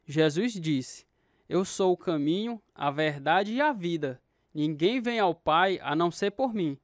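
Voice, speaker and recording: A man's voice: a little high, expressive, unhurried. An actor playing an earnest, devout Christian man with a Brazilian accent, giving his testimony in a radio drama. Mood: solemn, urging. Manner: earnest, preachy.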